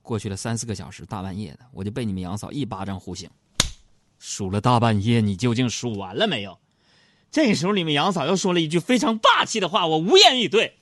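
A man's voice: medium pitch, sing-song, quick pace, sharp tone. A middle-aged man, hosting a comedic storytelling radio show and chatting straight to his listeners in a jokey way.

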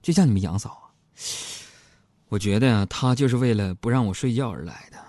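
A man's voice: on the low side, fairly quick, heavy background noise. A middle-aged man, hosting a comedic storytelling radio show and chatting straight to his listeners in a jokey way.

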